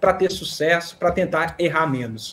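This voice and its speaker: With a Minas Gerais accent, a man talks at a moderate pace with ordinary pitch variation over noticeable background noise. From Brazil, Belo Horizonte (Minas Gerais). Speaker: investment advisor. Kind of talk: interview.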